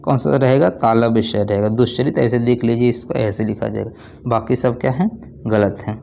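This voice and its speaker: A man's voice: medium pitch, fairly even intonation, moderate pace, gravelly, mellow. A young man tutoring exam students, explaining spelling by asking questions and answering them himself. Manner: repetitive call-and-response, asks then answers himself. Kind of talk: online exam-prep lesson.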